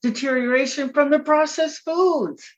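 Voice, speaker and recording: A woman in her seventies, a nutrition expert speaking as a guest in a podcast conversation, talking with animated, emphatic enthusiasm. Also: high voice, normal speed, highs cut off. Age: 70s.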